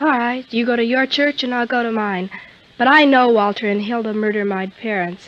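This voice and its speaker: A woman with a normal speaking voice, fairly high in pitch, at a fairly quick pace and with ordinary pitch variation. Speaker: radio drama actor playing a granddaughter. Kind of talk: old-time radio drama.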